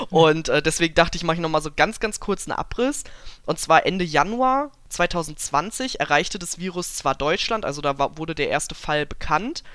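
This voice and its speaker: A young woman co-hosting a podcast, talking casually and relaxed with an easy laugh. Her voice is smooth and clean, and it sits in a dry, close-sounding recording. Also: sits low, no room sound. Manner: relaxed, chatty, with frequent laughs. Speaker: podcast co-host.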